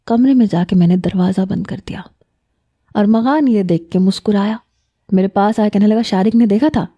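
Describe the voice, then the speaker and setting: Mellow-voiced woman narrating a story. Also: medium pitch, highs cut off. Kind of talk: first-person story narration.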